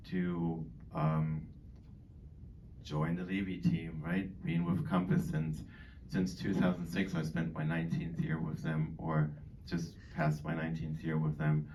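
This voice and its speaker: A middle-aged man from Boston, raised in Germany, talks to residents in a deep, chatty way, wandering between points with plenty of ums. He is heard from a distance from the microphone. Faint background noise fills the gaps. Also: a little mellow. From born in Boston, grew up in Germany. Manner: rambling and chatty, many fillers. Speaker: dining director. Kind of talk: informal speech to an audience. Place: community hall.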